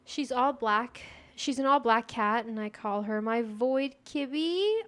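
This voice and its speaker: A young American streamer, Persian by first language, chats her way through a game, talking to herself and responding to viewers. Her fairly high voice is animated and fairly bright, at a measured pace, with soft music in the background.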